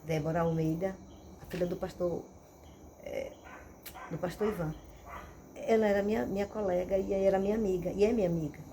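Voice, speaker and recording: A middle-aged woman pastor, telling her testimony in an animated storytelling way with dramatic repetitions. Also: on the low side, a little fast, long pauses, a little hiss or hum. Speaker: missionary and pastor. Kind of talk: testimony preaching. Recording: crickets and insects chirping behind.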